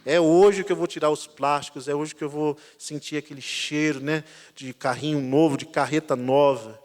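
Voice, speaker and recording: Pastor preaching in a reverberant hall. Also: male voice, on the high side, normal speed. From Brazil. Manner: animated, lively storyteller, swinging from loud to quiet. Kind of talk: sermon with personal storytelling. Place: church sanctuary.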